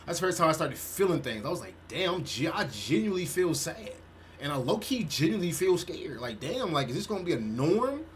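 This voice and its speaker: A man in his twenties, a streamer giving casual reaction commentary, animated and peppering his talk with "bro". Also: on the high side, a little fast, a little hiss or hum. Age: 20s. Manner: animated, swearing, says "bro" often.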